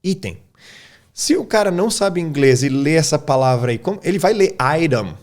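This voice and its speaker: A man's voice: fairly high pitch, expressive, fairly quick, a little mellow. A man from Brazil, an English teacher on a podcast, explaining his method in an informal way and often checking that the listener follows. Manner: informal, keeps checking in with "tá?" and "cara". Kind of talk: casual explanatory podcast talk.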